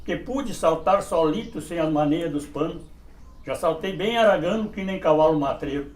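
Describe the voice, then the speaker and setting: A man with a southern Brazilian gaucho accent tells a story in a plain manner. His voice sits a little high and carries a roomy echo over faint hiss. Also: moderate pace, darkish tone. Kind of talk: documentary interview and verse recital.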